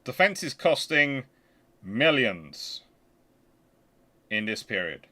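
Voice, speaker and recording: A man with a medium-pitched voice gives an informal live explanation as a history host. He thinks aloud in a conversational, halting way, sometimes muttering to himself as he works. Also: big pitch swings, sharp tone.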